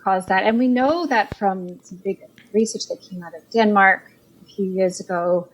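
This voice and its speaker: A woman's voice: medium pitch, moderate pace, slight background noise, poor audio. Earnest Canadian woman explaining research. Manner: earnest, explanatory, building detailed points. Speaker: guest, clinician and author. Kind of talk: podcast interview over a call.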